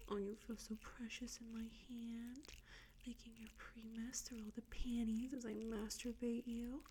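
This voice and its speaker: A woman whispering close to the mic in a soft, coaxing, teasing audio roleplay. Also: mid-range voice, slight background noise.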